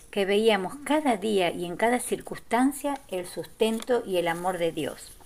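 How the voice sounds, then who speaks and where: With noticeable background noise behind her, a woman of medium pitch speaks at a fairly slow pace with hardly any pauses and lively intonation. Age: 60s. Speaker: church member. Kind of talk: testimony.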